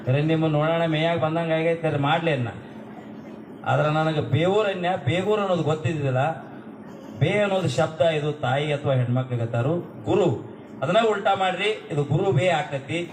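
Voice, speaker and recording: A man with a slightly high voice introduces the guest in a folksy, playful way. His voice rings around a big echoey hall, and background noise is clearly audible. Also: brisk. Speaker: event speaker introducing the guru. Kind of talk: ceremonial introduction speech.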